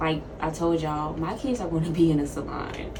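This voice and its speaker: Quiet, flat, monotone speech with audible room echo and noticeable background noise. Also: woman. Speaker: health vlogger. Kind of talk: casual monologue.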